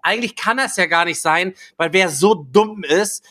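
A young man in casual chat, excited and teasing, ranting in slang about another player. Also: high voice, normal speed. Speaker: board game podcast co-host.

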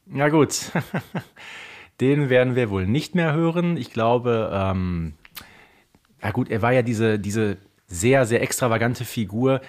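A man with a German accent speaks in a casual podcast discussion. His voice has an average male pitch, and he talks like a knowledgeable fan who attends to detail. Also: slow, darkish tone. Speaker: podcast co-host or guest.

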